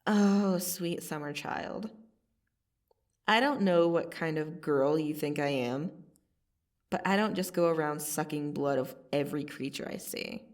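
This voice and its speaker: A woman playing a cocky, teasing vampire assassin in an ASMR roleplay, casually menacing, with a sardonic delivery and long pauses. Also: deep voice, distant mic. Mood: scornful, mocking. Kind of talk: ASMR roleplay monologue to the listener.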